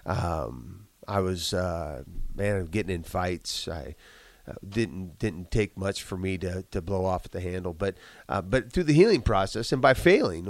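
Man, low voice, congested, emphatic, stumbling repeats, dry close sound. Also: creaky, dry recording. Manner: emphatic, repeats words often. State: congested, chesty cough. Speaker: business owner guest. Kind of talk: candid interview talk.

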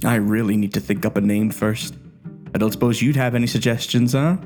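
A man reading a story aloud, voicing an obsessive, unhinged doctor who speaks with quiet menace. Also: fairly low pitch, fairly even intonation, brisk, faint music behind, natural voice. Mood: dreamy.

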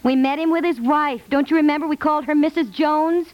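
A woman's voice: high voice, fairly quick, muffled recording, natural voice. An American woman playing a chatty, insistent suburban wife and mother in a 1950s radio comedy, repeating herself. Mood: excitedly remembering. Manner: persistent, repeats herself, talks over husband.

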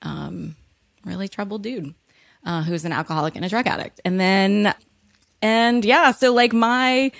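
A woman in her thirties from California, a podcast guest who talks frankly and quickly, laughing often and saying "like" a lot. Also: mid-range voice, no room sound, clean studio sound. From California, USA. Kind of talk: candid interview talk.

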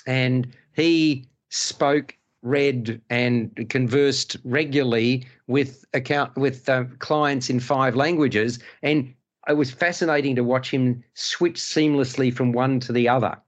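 A man's voice: medium pitch, fairly even intonation, slow. A middle-aged man whose first language is Hungarian, hosting a casual film-review panel and rambling through restarts and digressions. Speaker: podcast host.

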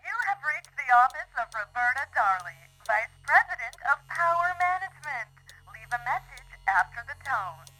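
A woman's voice: sits high, sing-song, moderate pace, pushed and bright, faint music behind, exaggerated voice, rough recording. A woman playing a corporate executive's voicemail greeting. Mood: formal. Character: poised, scheming female corporate executive. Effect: recorded voicemail greeting played over a phone.

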